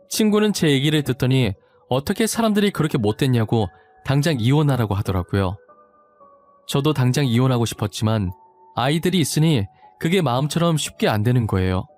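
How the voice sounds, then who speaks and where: A man narrating a first-person story in a confessional, expressive way. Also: mid-range voice.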